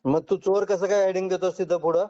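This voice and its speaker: A man's voice: high-pitched, steady tone, quick pace, dark tone. A man with a rural western Maharashtra accent, interrogating and scolding someone on a phone call in blunt, coarse, condescending colloquial speech. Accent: rural western Maharashtra Marathi. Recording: muffled lo-fi phone call recording.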